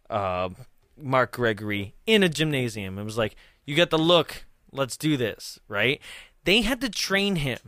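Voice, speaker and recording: A man's voice: mid-range voice, a bit bright, dry recording, clean studio sound. A young man chatting casually about a movie as a podcast co-host, rambling with many fillers and frequent laughs.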